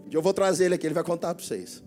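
A Brazilian man preaching as a pastor to his congregation, telling personal stories with hushed asides and loud exhortations. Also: on the high side, rapid-fire, soft background music. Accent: Brazilian Portuguese. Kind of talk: sermon. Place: church hall before a congregation.

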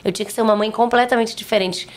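A woman's voice: a little high, racing. A woman in her forties, a podcast guest chatting casually and acting out quotes as she tells stories. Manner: animated storytelling, acts out quotes. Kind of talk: casual chat.

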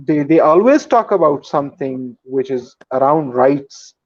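A male interviewer from outside the United States, speaking in a measured way with hesitant fillers. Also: fairly high pitch, animated, darkish tone. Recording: dull, lo-fi sound.

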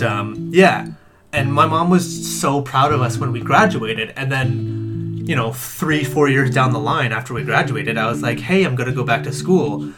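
A young man chatting casually and warmly about his family, rambling with lots of fillers. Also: medium pitch. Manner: rambling, heartfelt, many fillers. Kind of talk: casual chat. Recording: music playing underneath.

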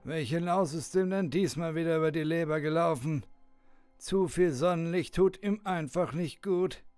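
A squeaky-high, submissive manservant done by a man, hesitant and fussily polite. He sounds nervous and eager to please, like the hapless underling in a homemade radio play, with music behind. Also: normal speed, darkish tone, smooth, dry recording, natural voice. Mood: weary, polite. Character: timid, deferential male servant, nervously eager to please.

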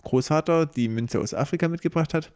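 A man's voice: on the high side, brisk, darkish tone. A man chatting casually in a podcast, teasing his co-host and stubbornly defending his point. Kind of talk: casual recap chat.

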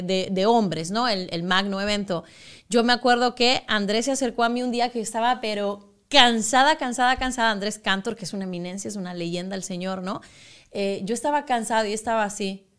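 Animated young woman telling stories. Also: a little high, moderate pace, clean tone. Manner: animated, acts out quoted voices, frequent restarts. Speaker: sports broadcaster, guest. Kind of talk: casual interview storytelling.

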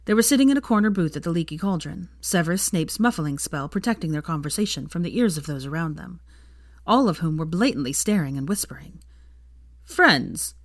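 A woman with a fairly low voice reads a story aloud, narrating steadily. She gives each character a small shift in pitch as their lines come up. The sound is dry and close, with no room echo. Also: expressive, fast talker, darkish tone. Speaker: fan fiction reader.

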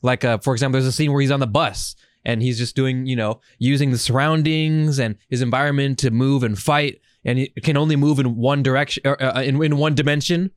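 A man's voice: medium pitch, steady tone, a little fast, few pauses, clear, resonant tone, no echo, clean studio sound. A man podcasting in a casual, profane chat, rambling and enthusiastic with plenty of slang. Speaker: podcast host.

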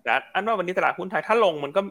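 Guy hosting a live market show, talks super fast, bright forceful tone, slightly high voice. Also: creaky. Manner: chatty, upbeat, asks the audience to write in.

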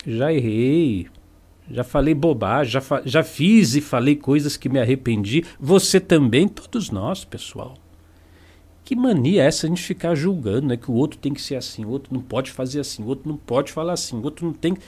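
A man's voice: mid-range voice, animated, moderate pace, a little mellow, husky. A man with a Brazilian Portuguese accent, a spiritual teacher giving an emphatic, repetitive motivational talk to camera. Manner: emphatic and repetitive, with acted-out quotes.

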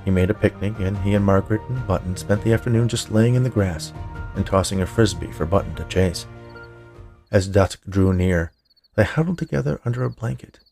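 A man narrating scripted fiction for a podcast in a measured storytelling way. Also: on the low side, creaky, a little mellow, soft background music. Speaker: podcast narrator, writer and producer.

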